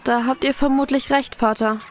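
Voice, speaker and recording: A woman's voice: high-pitched, steady tone, moderate pace, natural voice. A female performer playing a wary, respectful young medieval girl in a German audio drama.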